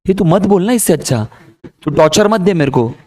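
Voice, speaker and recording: A man teacher, telling stories casually and joking with his class while slipping into English. His voice sits a little high for a man. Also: animated, a little fast, a little mellow. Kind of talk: lively classroom storytelling.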